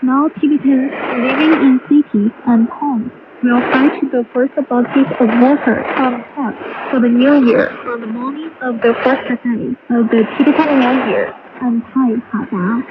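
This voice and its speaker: A woman radio presenter reading a scripted feature, heard over a shortwave broadcast. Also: high voice. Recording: muffled shortwave radio, heavy static and noise.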